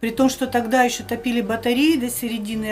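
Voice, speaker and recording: Faint music sits in the background. Over it, a female voice talks. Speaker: home vlogger. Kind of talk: casual vlog chat. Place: home room. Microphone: camera far.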